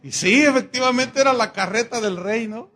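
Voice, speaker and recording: A man, a pastor telling a story in a sermon, animated and chatty with fillers. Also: very high-pitched, moderate pace.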